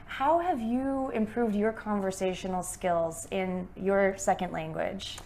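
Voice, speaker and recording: A woman's voice: mid-range voice, a little slow, a little mellow, slight background noise. A young American woman, an English teacher, chatting upbeat and casually in a conversation lesson. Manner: upbeat, chatty, many fillers.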